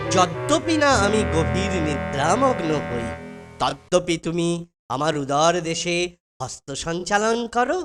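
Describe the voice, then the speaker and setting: Slow, pompous cartoon guru. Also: mid-range voice. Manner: pompous, ornate archaic formal speech. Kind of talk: comic cartoon voice acting. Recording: loud background music over the voice.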